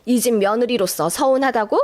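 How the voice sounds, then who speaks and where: A sharp-tongued older mother-in-law scolds in a shrill, high voice that jumps around as she nags, played by a woman reading the story. It is a storybook radio-drama reading, delivered in a quick and biting way. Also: expressive. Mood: scolding.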